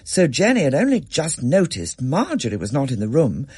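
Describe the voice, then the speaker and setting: Husky, expressive story reader. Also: medium pitch, moderate pace, no echo, clean studio sound. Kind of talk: scripted story reading.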